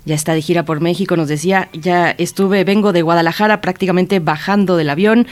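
Radio host announcing smoothly. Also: medium pitch, fairly even intonation, brisk. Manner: smooth, announcing, recapping for listeners. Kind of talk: radio interview hosting.

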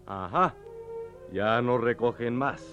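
A man playing an excitable but sensible farm overseer in a theatrical radio play, given to exclamations. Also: medium pitch, takes it slowly, muffled recording, faint music behind. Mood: matter-of-fact. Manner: exclamatory, swinging from matter-of-fact to loud alarm.

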